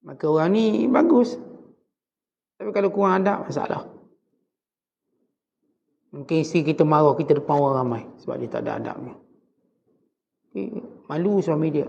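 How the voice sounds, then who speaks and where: A man's voice: fairly high pitch, vocal fry, darkish tone, in a large hall, muffled recording, a little hiss or hum. A man with a Malaysian Malay accent giving a conversational religious lecture, with joking asides. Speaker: religious teacher.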